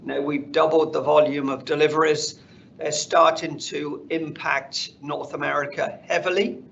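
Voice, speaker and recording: A man speaking as a company finance executive, presenting slides on an earnings call in a measured corporate delivery. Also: a little high, little pitch movement, vocal fry, fairly bright tone. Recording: dull conference call audio, faint noise.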